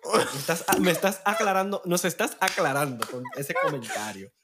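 A man's voice: fairly high pitch, big pitch swings, moderate pace. Slangy Dominican man with noise behind him. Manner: slangy, joking. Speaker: podcast co-host. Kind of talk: casual bantering chat.

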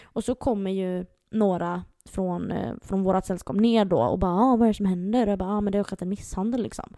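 A young woman on a podcast, telling a story casually and animatedly and acting out the voices she quotes. Her tone is dark and mellow, and the recording is close and dry, with no room sound. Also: medium pitch, fairly even intonation, dry recording. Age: young adult. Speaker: podcast co-host.

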